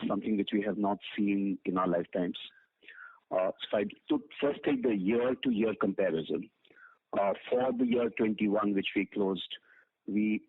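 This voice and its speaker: A man's voice: fairly low pitch, slightly rough, no echo. A man with an Indian accent giving a formal financial briefing as a finance executive, reading out figures matter-of-factly with hesitations. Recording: narrow tinny phone conference line.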